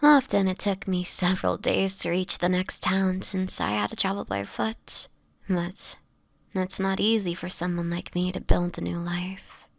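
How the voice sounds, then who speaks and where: Woman acting a soft, creaky-voiced, sickly vampire woman. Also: medium pitch, flat delivery, dry recording. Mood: sorrowful, weary. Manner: soft, breathy, often whispered, halting, formal old-fashioned wording. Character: sickly homeless female vampire, gentle, melancholy, guarded. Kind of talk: intimate audio roleplay acting. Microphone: close microphone, dry.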